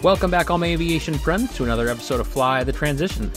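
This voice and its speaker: A man's voice: fairly high pitch, fast, over music. An American man hosting a podcast, presenting explanatory material from a loose script. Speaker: podcast host.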